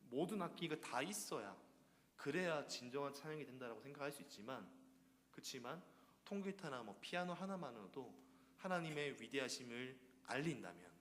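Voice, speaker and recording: A male preacher delivers a sermon in a church, his voice lively and swooping in pitch. He leans on rhetorical questions to draw the congregation in. A long reverb from the sanctuary trails after his words.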